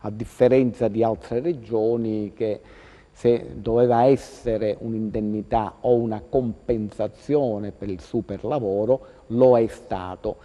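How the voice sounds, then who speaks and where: A man's voice: lowish voice, steady tone, unhurried, dark tone. A man talks through a face mask, explaining hesitantly as a legal expert on a call-in programme. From Calabria, Italy. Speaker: lawyer, consumer-rights expert guest. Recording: dull sound, long hall reverb.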